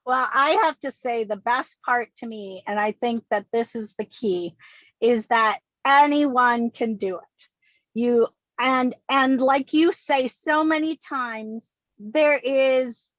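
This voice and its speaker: A woman's voice: a little high, slow pace, dry recording. A sixty-year-old woman, an enthusiastic, giggly interview guest chatting casually from inside a car on a remote call. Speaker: interview guest, kindergarten teacher. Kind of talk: casual, animated chat. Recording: dull, close, lo-fi call audio.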